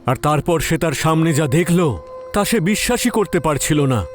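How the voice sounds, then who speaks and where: Higher-pitched male horror storyteller. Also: expressive, moderate pace, over music. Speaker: narrator. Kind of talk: scripted dramatic horror storytelling.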